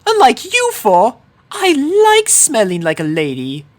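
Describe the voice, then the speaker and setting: A woman's voice: on the high side, huge pitch swings, unhurried, pitched above the performer's own voice. A woman voicing a prissy, ladylike, easily offended teenage girl in a story, with a haughty, fussy manner.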